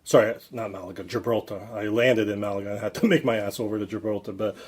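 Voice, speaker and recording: Joking podcast guest. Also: male voice, fairly low pitch, quick pace, crowd noise. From Cambridge, Ontario, Canada. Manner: animated, joking, drops in Portuguese phrases. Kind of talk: casual storytelling chat. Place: podcast studio.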